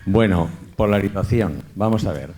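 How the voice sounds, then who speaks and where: A man's voice: deep voice, normal speed, mellow, a little hiss or hum. Male audience member at a talk; outspoken, meandering, informal. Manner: blunt, rambling. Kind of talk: audience question at a public talk.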